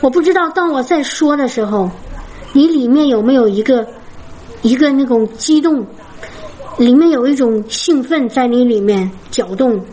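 Woman with a high pitch, fervent church testimony, repetitive and halting. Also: warm tone, low-quality recording. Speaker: Christian testimony speaker. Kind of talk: emotional personal testimony to a congregation.

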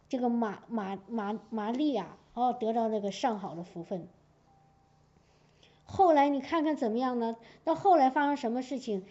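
Woman preacher, lively storytelling sermon, high mellow voice, dull lo-fi recording. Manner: lively storytelling with frequent "明白我的意思吧" asides.

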